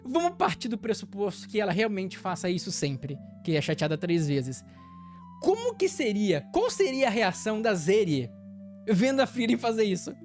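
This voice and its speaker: A woman with a Brazilian Portuguese accent hosting an anime channel, recapping an episode in an animated, chatty way and laughing often. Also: mid-range voice, normal speed, soft background music.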